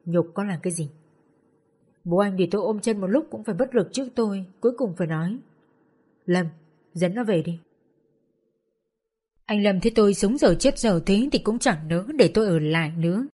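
Woman narrator, first-person audio story, heartfelt delivery, medium pitch. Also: quick pace, warm tone, husky.

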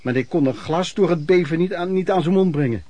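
An actor plays an embittered working-class man in a radio drama. His voice sits a little high. He tells of his wretched youth in plain, emotional, colloquial speech, often repeating himself. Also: fairly quick, warm tone, no room sound, close to an everyday voice. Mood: bitter, indignant. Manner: colloquial, emotional storytelling with repetitions. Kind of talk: Dutch radio play narration, reminiscing monologue.

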